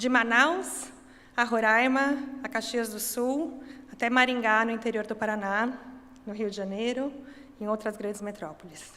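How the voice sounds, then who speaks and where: Speaking in a São Paulo accent, a woman at fairly high pitch talks at a fairly slow pace with ordinary pitch variation and long, frequent pauses, with audible room echo around her. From São Paulo, Brazil. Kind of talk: sermon-style talk at synagogue service. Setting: synagogue with congregation. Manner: slightly halting, self-correcting.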